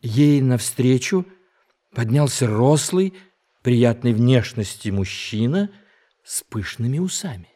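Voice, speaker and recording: A man's voice: mid-range voice, lively intonation, takes it slowly, warm tone. A man narrating a scripted story in an audio drama.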